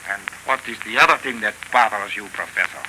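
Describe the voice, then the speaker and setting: A man's voice: fairly low pitch, quick pace, lightly acted. Man voicing a loyal villain's assistant, questioning, 1930s radio drama, faint hiss. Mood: wary. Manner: questioning, deferential. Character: male henchman assistant, wary and eager. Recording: hissy old 1930s radio broadcast.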